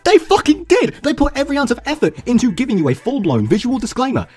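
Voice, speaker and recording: A husky-voiced man in his twenties tears through a scripted rant. His delivery swings widely in pitch and rushes along. He is heated and profane, with faint music playing under him. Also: huge pitch swings. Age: 20s. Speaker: YouTuber responding to a critic.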